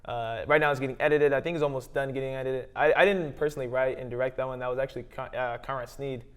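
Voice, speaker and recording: Easygoing young man with a smooth voice. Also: mid-range voice, fairly even intonation, fast. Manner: easygoing, rambling, heavy on fillers. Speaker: filmmaker guest. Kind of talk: casual interview chat.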